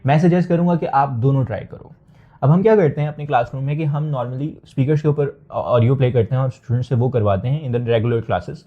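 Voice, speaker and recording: A young man giving IELTS listening tips as an instructor in a casual lecture, explaining at length and slipping English phrases into his talk. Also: medium pitch. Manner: explanatory, mixes English phrases, frequent fillers. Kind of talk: casual Hindustani lecture with English code-switching. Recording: slightly dull lo-fi audio.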